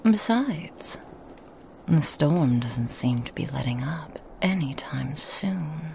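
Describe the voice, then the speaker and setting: A woman plays a sly, menacing Christmas demoness who whispers close to the mic, teasing and insinuating. Her voice is extremely deep and gravelly, and she drawls slowly. It is a dark, unhurried ASMR roleplay. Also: expressive, slight background noise, full character voice.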